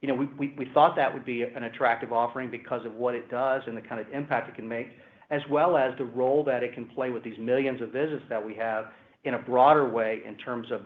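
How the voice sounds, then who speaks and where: A man speaking as a company executive, giving measured, hedging answers on an earnings call. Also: medium pitch. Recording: roomy, phone-like conference call line.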